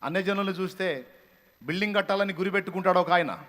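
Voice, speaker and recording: Fiery high-voiced man preaching in a hall. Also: fast talker. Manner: scolding, repetitive, builds to shouted rebukes. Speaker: pastor. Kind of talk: fiery motivational sermon.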